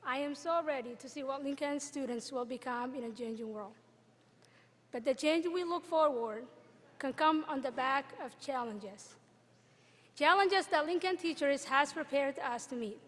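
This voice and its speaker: A young woman from Somalia delivers a graduation address at a podium microphone. Her voice sits high, and her words carry an earnest, measured pace with deliberate pauses. The sound rings out with the long reverb of a large hall. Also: fairly bright tone. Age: young adult. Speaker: student commencement speaker. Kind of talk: graduation speech.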